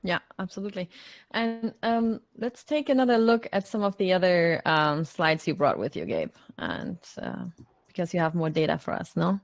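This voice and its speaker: A woman's voice: on the low side, lively intonation, dry recording. A woman whose first language is German, hosting a casual chat and laughing often. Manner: friendly, laughs often, quick interjections. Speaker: host.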